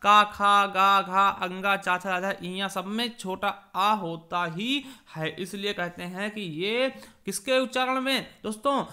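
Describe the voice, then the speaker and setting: A young male teacher with an eastern Uttar Pradesh Hindi accent leads an exam-prep grammar lesson in a high, bright voice. He asks his own questions and answers them at once. He repeats points and stretches sounds to show them. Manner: addresses listeners as friends, drawn-out examples.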